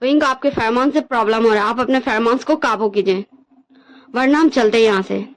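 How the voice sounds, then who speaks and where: A woman's voice: a little high, fairly quick, voice pushed down, close to an everyday voice, low-quality recording. Woman playing a protective young man, firm, warning tone.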